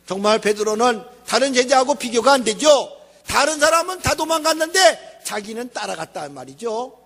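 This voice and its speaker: Preaching in a church sanctuary at normal speed, this male pastor sounds very high-pitched, animated and a bit bright. He asks rhetorical questions with a dramatic, rising-and-falling delivery, recorded in an echoey church hall.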